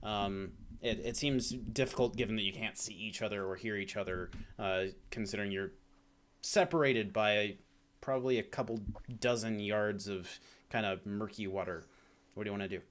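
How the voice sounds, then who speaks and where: A man's voice: fairly low pitch, normal speed, a bit bright, a little hiss or hum. A man running a tabletop game as dungeon master, describing scenes with many fillers and restarts.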